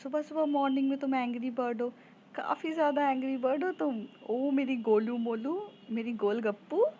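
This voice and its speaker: A woman's voice: high voice, normal speed, dark tone, slight background noise, voice pushed up, close to an everyday voice. A woman voicing a playful young female friend who teases in a sing-song way, on a slightly muffled recording. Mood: teasing.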